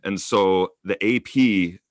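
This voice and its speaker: Deep voiced guy cohosting a podcast, dry wry jokes, super dead dry mic. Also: takes it slowly, no echo. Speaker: podcast co-host. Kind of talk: casual chat.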